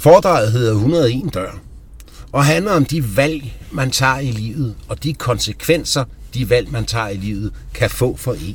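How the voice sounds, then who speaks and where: A man's very slow, lively-toned delivery at medium pitch, with vocal fry. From Copenhagen area, Denmark. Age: 60s. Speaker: children's entertainer and magician. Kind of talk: interview. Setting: in a car.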